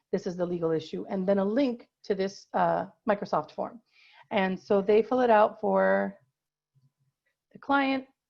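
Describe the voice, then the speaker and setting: Against a quiet background, a woman speaks with a medium pitch and ordinary pitch variation. Long, frequent pauses mark her speech. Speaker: legal aid technology presenter. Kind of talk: webinar presentation. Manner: fast.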